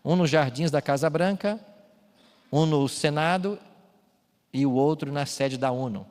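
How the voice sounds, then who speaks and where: A man preaching a sermon as a pastor in a church, speaking emphatically and building to loud calls. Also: on the high side, unhurried. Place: church with baptismal tank. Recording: long hall reverb, faint music.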